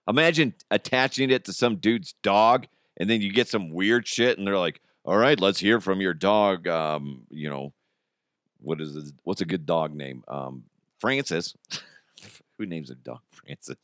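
A man hosts a comedy podcast in a fairly low voice. He comments casually on the news in a jokey way. The sound is dry, with no room to it. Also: lively intonation, unhurried, a bit bright, dry recording. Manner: jokey, chuckles at own jokes. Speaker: podcast host.

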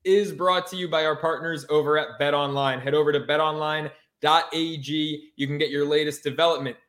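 A man's voice: on the high side, fairly even intonation, brisk, fairly bright tone. A man co-hosting a sports podcast in a casual, brash, slangy style with some swearing.

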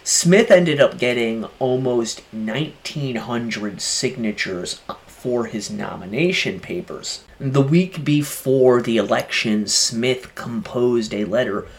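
A man's voice: mid-range voice, animated, takes it slowly. A man hosting a podcast and narrating from a script. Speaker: podcast host.

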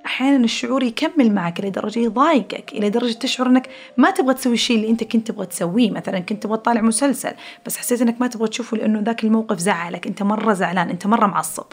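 A woman's voice: fairly high pitch, rapid-fire. A woman hosting a podcast, explaining ideas in a chatty way through everyday comparisons, often restarting her sentences. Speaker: podcast host. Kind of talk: casual explanatory talk.

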